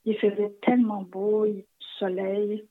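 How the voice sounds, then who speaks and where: A woman in her fifties from Rwanda, answering interview questions softly and hesitantly, with many pauses. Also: mid-range voice, flat delivery. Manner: soft-spoken, hesitant with frequent pauses. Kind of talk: personal interview. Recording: narrow phone-like audio.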